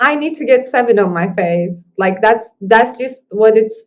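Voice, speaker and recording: A woman speaks with a Turkish accent in a fairly high pitch. Her pace is moderate and her intonation lively. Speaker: basketball player's wife, influencer. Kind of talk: casual chat.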